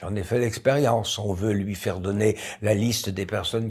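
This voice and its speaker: In a dark, mellow tone, a man speaks at a medium pitch and a fairly slow pace, on a very clean recording with a silent background. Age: 70s. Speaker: priest. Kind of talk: personal video address. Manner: measured, formal.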